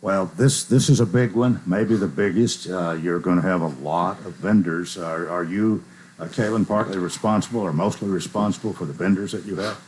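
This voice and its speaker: A man's voice: low-pitched, a little mellow, a little hiss or hum. A man hosting a local radio talk show, asking folksy questions with frequent restarts. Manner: folksy, halting questions with repeated words. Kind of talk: casual radio interview.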